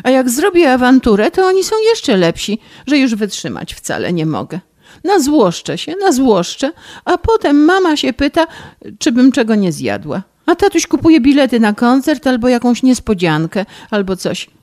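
A woman voicing a pampered, distraught young woman who pleads in a high, tearful voice in an audiobook reading. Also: animated, a little slow, hardly any pauses, darkish tone. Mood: tearful, exasperated.

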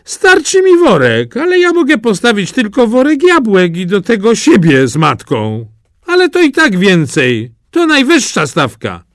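A man's voice: sits high, huge pitch swings, measured pace, no room sound, studio quality, pitched above the performer's own voice, heavily acted. A man voicing a simple, good-natured old farmer who speaks earnestly, in a storybook reading.

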